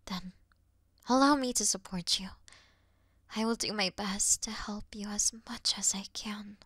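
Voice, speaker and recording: Slow, solemn demon queen, acted by a woman. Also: medium pitch, no room sound, clean studio sound. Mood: earnest, resolved. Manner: solemn, slow, earnest, breathy hushed delivery. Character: weary, noble demon queen, gentle and self-sacrificing. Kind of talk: dramatic fantasy audio roleplay acting.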